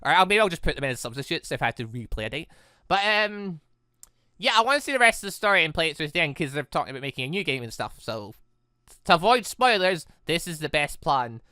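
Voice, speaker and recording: A man with a bright, clear voice hosts a casual let's play. His pitch swings widely as he rambles along excitably. The delivery is informal and conversational. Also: quick pace, dry recording, studio quality. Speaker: gaming video host.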